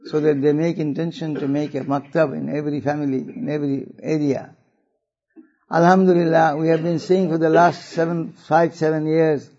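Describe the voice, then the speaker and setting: An elderly man with a South Asian accent delivers a religious talk in a fairly high, creaky voice. He phrases deliberately and slips Urdu and Arabic terms into his speech. The recording is dull and lo-fi. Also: darkish tone. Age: older, 70s or above. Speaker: religious speaker.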